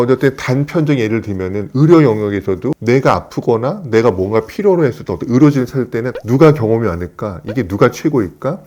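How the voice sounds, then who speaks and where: A man's voice: mid-range voice, darkish tone. A man in his fifties, a plastic surgeon, telling stories in an earnest, reflective way. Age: 50s. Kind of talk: casual conversational talk.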